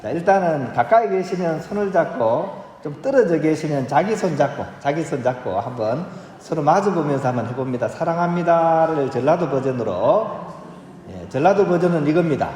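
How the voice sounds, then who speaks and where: This priest's voice is a little high and a little mellow as he reads the Gospel and moves into a playful homily that draws the congregation in. It's captured in an echoey hall of a large church.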